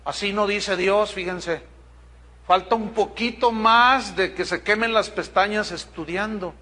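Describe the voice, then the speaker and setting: A middle-aged man with a Mexican accent preaching a sermon, telling a congregation story in a direct, animated way with humorous asides. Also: sits high, measured pace. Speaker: pastor.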